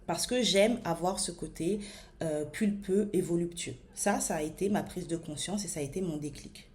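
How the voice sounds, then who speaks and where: A woman in her thirties with a French accent, coaching her listeners on body image in a slow, deliberate talk with frequent hesitations. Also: on the low side, a little mellow. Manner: many hesitations and fillers. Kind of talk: motivational talk to camera.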